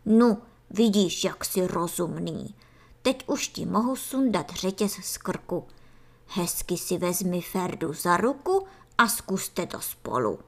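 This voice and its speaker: A woman's voice: on the low side, expressive. A woman voicing a doting, boastful antlion father who coos over his son in baby talk. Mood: pleased. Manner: cooing, fondly baby-talking.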